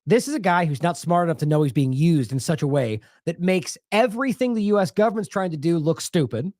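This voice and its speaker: Indignant American man, high lively voice. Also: no echo, studio quality. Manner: sarcastic, indignant, rapid-fire rhetorical questions. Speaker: host of an independent news show. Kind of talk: opinionated news commentary.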